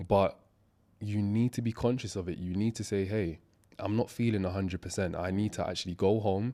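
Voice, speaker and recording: In a London accent, a man speaks at a fairly quick pace with a fairly low, dark and mellow voice and fairly even intonation, on a very clean recording with a silent background. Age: 30s. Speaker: fitness coach. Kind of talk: casual chat.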